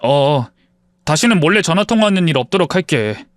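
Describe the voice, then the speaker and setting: A man playing a lower-voiced, earnest husband. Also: expressive, a little fast, no echo, clean studio sound, close to an everyday voice. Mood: sheepish. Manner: angry then humbly apologetic.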